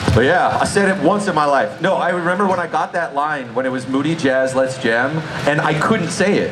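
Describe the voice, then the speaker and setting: Lively intonation marks this man's speech, recorded with audible room echo and noticeable background noise. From half Chinese heritage. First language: Chinese. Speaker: voice actor. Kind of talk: convention panel discussion.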